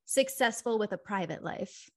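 A soft-spoken woman, a stand-up comedian, chatting casually as a podcast guest and laughing often. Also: mid-range voice, animated, normal speed. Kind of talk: casual interview chat.

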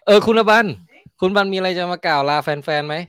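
A man's voice: high voice, quick pace, a bit bright, clear, resonant tone, no room sound, clean studio sound. A man hosting a podcast in casual chat, joking and teasing. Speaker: host.

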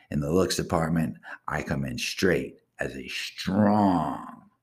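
Very deep-voiced boastful man. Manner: boastful, crude, rambling. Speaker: podcast host. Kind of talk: casual solo podcast monologue.

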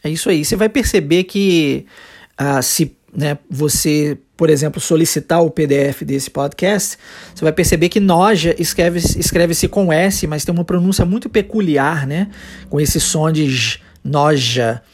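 Explaining things step by step, this podcast English teacher with a Brazilian Portuguese accent frequently checks in with short tags and has listeners repeat phrases. The voice is medium-pitched and a little mellow, with a breathy edge and a moderate pace.

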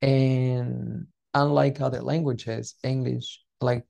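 A man who is the guest on an interview, explaining his views earnestly and ending many points with a quick "right?". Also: medium pitch, flat delivery, creaky, warm tone. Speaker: guest, founder of a pronunciation coaching business. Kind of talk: casual interview chat.

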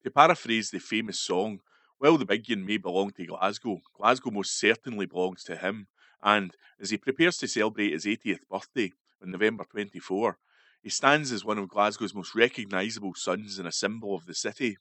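A man with a fairly low voice reads a newspaper feature aloud, steady and measured. The sound is close and dry, with no room echo. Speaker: newspaper article reader. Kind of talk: read-aloud news feature.

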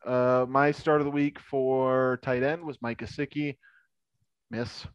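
A man co-hosting a casual fantasy football podcast, playful and quick to laugh. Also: mid-range voice, flat delivery, clean tone, dry recording, lo-fi sound. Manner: playful, laughs between remarks. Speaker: podcast co-host.

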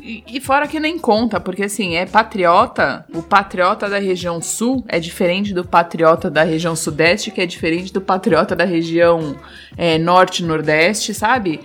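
A woman's voice: on the low side, moderate pace, soft background music. A woman in a casual group chat making emphatic points and swearing freely. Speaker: discussion participant.

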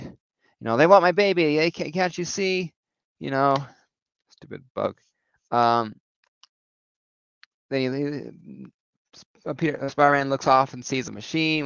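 A man's voice: mid-range voice, fairly bright tone, smooth, dry recording, lo-fi sound. A man casually recapping a comic book issue, rambling with many fillers and restarts.

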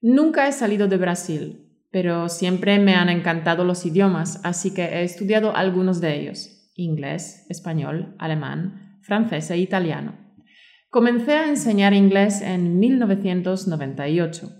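A woman's voice: lowish voice, normal speed, darkish tone, roomy sound. A woman hosting a language-learning podcast, speaking to listeners in an encouraging, motivational way and reading aloud. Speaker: podcast host and Spanish teacher.

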